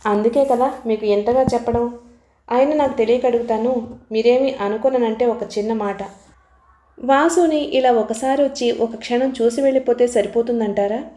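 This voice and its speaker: A gentle, persuasive young woman who keeps trying to calm others down, as the narrator reads her. Her voice is fairly high and mellow, with a roomy echo around it. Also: normal speed, close to an everyday voice.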